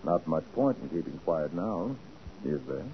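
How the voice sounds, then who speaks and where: An actor playing a shrewd, commanding American private detective, measured and probing, in a 1940s radio crime drama. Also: male voice, low voice, big pitch swings, gravelly, heavily acted. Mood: shrewd, calm. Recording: muffled noisy 1940s radio recording.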